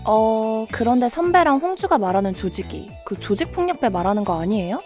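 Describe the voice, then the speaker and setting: Woman as sceptical young student in radio mystery. Highish voice, questioning, music underneath. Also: animated, fairly quick, a little mellow, natural voice. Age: young adult. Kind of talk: audio drama acting, dialogue.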